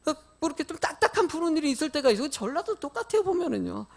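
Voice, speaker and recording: A man's voice: very high voice, big pitch swings, rapid-fire, gravelly. A middle-aged male pastor preaching a sermon, questioning the congregation directly and telling folksy, lightly humorous stories.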